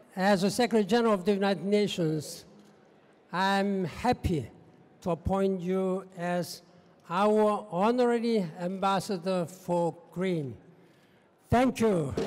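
This man's voice sits high in pitch, with ordinary pitch variation. He talks at a very slow pace. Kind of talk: formal ceremonial speech. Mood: warm, lightly humorous. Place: hall. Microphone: handheld.

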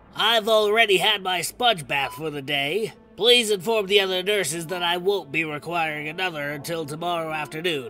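A man puts on a character voice pitched high. He keeps a moderate pace with hardly any pauses. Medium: dub. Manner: stammering, formal.

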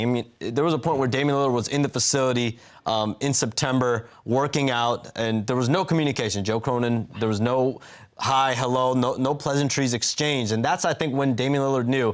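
A man talks with fairly even intonation and very even loudness. The background is quiet. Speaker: NBA insider co-host. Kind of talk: commentary. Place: studio. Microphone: lapel.

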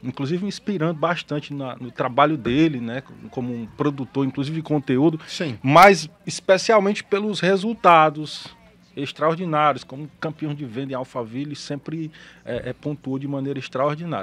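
With a fairly high pitch and ordinary pitch variation, a man speaks at a moderate pace, his loudness swinging widely. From Viçosa do Ceará, Brazil; Brazil. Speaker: real estate broker; podcast guest. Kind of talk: casual interview. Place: studio. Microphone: studio mic.

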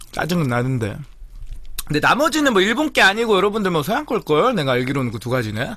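At a very fast pace, a man with a high pitch and an animated tone makes very wide pitch swings, in a dry sound with no echo. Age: 30s. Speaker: mukbang streamer. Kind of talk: casual livestream eating show. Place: home room. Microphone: studio mic.

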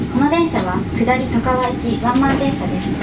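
A woman talks at a moderate pace against loud background noise. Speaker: train announcement voice. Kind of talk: train station announcement. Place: train.

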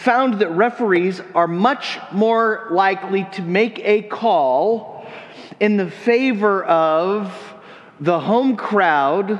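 This man speaks very slowly in a high voice with ordinary pitch variation. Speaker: lead minister. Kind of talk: sermon. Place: church.

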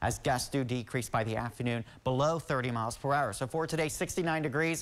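The speaker is a man. There is ordinary variation in his pitch. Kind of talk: weather forecast presentation. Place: studio. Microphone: lapel.

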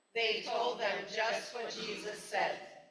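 A woman speaks very slowly while loud background noise surrounds her. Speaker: scripture reader or pastor. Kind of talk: scripture reading. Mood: solemn, measured. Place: hall.

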